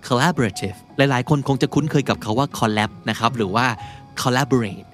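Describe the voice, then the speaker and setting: A young man hosting a casual podcast lesson, chatty and patient, reading out English example sentences slowly. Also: mid-range voice, faint music behind. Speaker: podcast host teaching English vocabulary.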